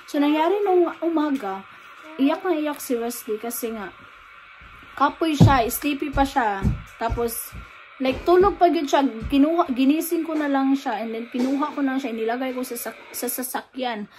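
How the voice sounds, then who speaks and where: Filipina mom vlogging, high voice, keeps restarting, kinda emotional. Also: female voice, a little mellow, a little hiss or hum, rough recording. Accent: Filipino, with Cebuano words. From Philippines. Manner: emotional, halting, many restarts and fillers, mixes English into Tagalog. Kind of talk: casual vlog monologue.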